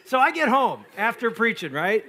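A middle-aged pastor and marriage speaker telling stories to an audience, joking and acting out both sides of a quarrel. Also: male voice, sits high, moderate pace. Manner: animated, jokey, acts out both sides of quarrels. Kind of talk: lively storytelling talk to an audience.

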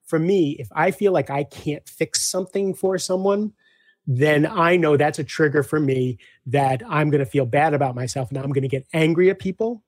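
A man speaking as a guest coach in a casual interview, animated, acting out back-and-forth dialogues with clients. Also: fairly high pitch, normal speed, dry recording, studio quality.

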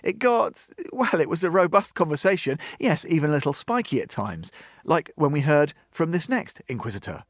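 A man with a fairly high, lively voice moderates a panel and narrates the links between segments, brisk and upbeat. The sound is close and dry. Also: no room sound. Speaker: host and moderator.

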